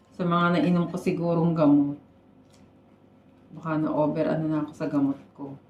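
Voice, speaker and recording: A woman's very deep, low voice at a moderate pace, with audible room echo and noticeable background noise. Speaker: vlogger. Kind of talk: casual vlog talk. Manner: hesitant with fillers.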